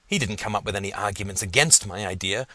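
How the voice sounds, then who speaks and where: A man's voice: on the low side, fast talker, pushed and bright, no room sound. A man playing an earnest, insecure young male student who stammers and hesitates.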